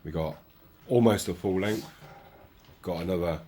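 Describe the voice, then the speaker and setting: There's a faint hiss or hum as a man with a low, mellow voice talks at a moderate pace about his model railway. Recorded on a camera mic in his hobby room, he's chatty and self-joking, given to rambling asides.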